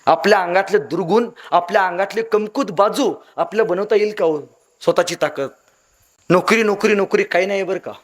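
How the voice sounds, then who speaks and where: A man delivers a motivational speech in a high voice. He tells his stories dramatically, rising into loud appeals and then dropping to hushed lines. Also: fairly quick. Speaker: motivational speaker.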